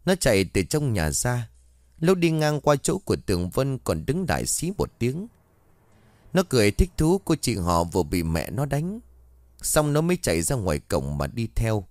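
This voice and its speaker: A male storyteller reads a spoken ghost story with dramatic expression. His pitch rises and falls widely, recorded close and dry with no room sound. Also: very animated, normal speed, a little mellow, no room sound. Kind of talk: scripted ghost-story narration.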